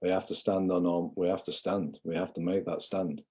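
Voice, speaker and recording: A man's voice: low-pitched, little pitch movement, normal speed, mellow, husky. A man from England giving a rambling, impassioned livestream monologue, often calling viewers "guys".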